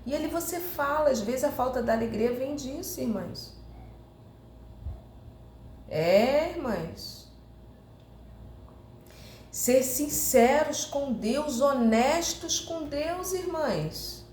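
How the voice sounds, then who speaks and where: Brazilian woman preacher, earnest sermon voice, slightly high, roomy echo with faint noise. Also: expressive, slow pace, pauses often, darkish tone. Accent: Brazilian Portuguese. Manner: earnest, repeating "irmãs" often; acts out heartfelt prayers to the Lord.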